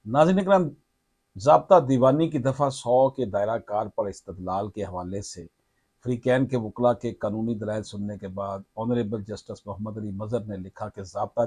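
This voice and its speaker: A man with a Pakistani Urdu accent, a lawyer formally explaining a court ruling to his viewers in a measured way. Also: on the low side, dark tone, breathy edge, no echo.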